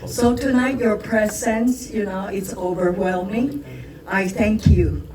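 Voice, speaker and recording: A woman's voice: medium pitch, fairly even intonation, slow, far from the mic. A woman with a Filipino accent being interviewed at a film screening, speaking earnestly and reflectively with hesitant fillers. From Philippines. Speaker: actress and producer being interviewed. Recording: noisy crowded event. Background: crowd chatter.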